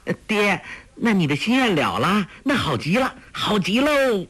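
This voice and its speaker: Male narrator doing a cheeky teen girl, bubbly and coaxing, husky, lively swoops. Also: unhurried, exaggerated voice. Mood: gleeful. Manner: bubbly, coaxing, high and bright. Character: playful clever teenage girl, cheeky and affectionate.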